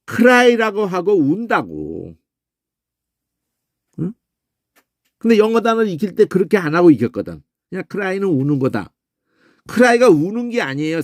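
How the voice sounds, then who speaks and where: Animated man teaching, gravelly and lively. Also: fairly high pitch, dry recording, clean studio sound. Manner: animated, peppers talk with questioning "eh?", imitates crow cries and shouts. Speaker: Bible teacher. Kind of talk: Bible word-study lecture.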